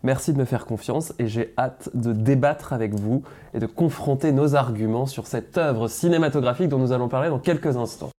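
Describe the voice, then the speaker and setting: Young male guest, dry wit, mellow dark tone, mid pitch. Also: a little fast, hardly any pauses. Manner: dry, witty one-liners. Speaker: podcast guest. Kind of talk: casual chat.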